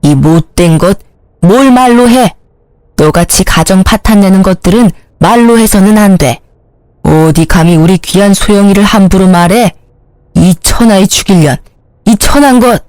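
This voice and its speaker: A woman voicing a fierce older mother-in-law who scolds and shouts insults. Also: medium pitch, a little slow, dry recording, natural voice. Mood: furious. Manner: scolding, furious.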